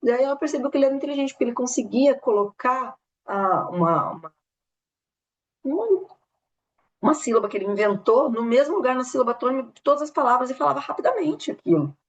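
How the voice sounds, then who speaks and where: A Brazilian woman casually retelling a story at a spiritist study talk, animated, with many tag questions and restarts. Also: sits high, fast, dull audio. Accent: São Paulo interior Brazilian Portuguese.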